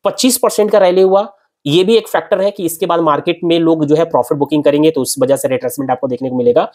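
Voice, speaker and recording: A man's voice: on the high side, fairly even intonation, fast, a little mellow. A man hosting a market analysis video, walking through price charts in a conversational way and repeating his points to drive them home. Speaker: crypto market analyst host. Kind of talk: chart walkthrough explanation.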